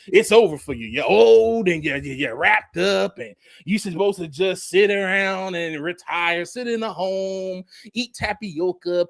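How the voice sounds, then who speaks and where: A man's voice: high voice, a bit bright, no room sound, studio quality. A man in his forties teaching from scripture in a casual, conversational preaching style, restarting phrases and adding emphatic, mocking asides. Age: 40s. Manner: conversational preaching with frequent restarts and "you know". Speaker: Bible teacher.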